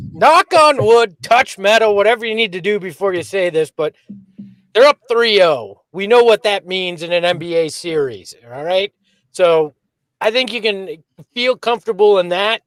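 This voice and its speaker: A man's voice: sits high, dry recording. A man co-hosting a sports podcast, giving takes with dry, teasing humor. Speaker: podcast co-host. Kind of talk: casual sports chat.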